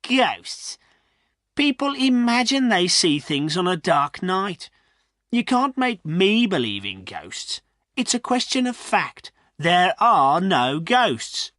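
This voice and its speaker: A man's voice: fairly high pitch, big pitch swings, slow pace, sharp tone, dry recording, studio quality, voice pushed up, heavily acted. A man voicing a scornful village farrier who mocks talk of ghosts.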